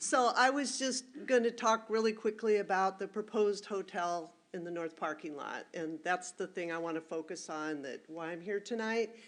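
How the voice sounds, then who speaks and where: A woman uses an ordinary speaking voice at a moderate pace, with lively intonation. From US Pacific Northwest, Des Moines, Washington. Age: 60s. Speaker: retired police officer, public commenter. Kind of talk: public comment at council meeting. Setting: city council chamber.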